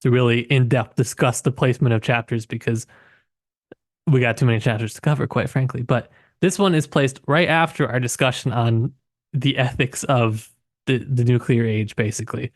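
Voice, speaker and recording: A man's voice: medium pitch, fairly even intonation, normal speed, no echo, clean studio sound. A man co-hosting a casual literary discussion, speaking in a reflective, tentative way and often qualifying his own points. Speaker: podcast co-host discussing literature.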